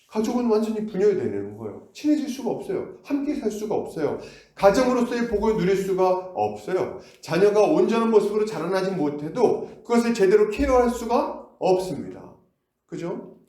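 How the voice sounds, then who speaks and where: Lively-voiced male pastor preaching. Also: sits high, fairly quick. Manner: conversational, asks the congregation questions, acts out scoldings. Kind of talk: sermon. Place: church sanctuary. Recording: echoey church room.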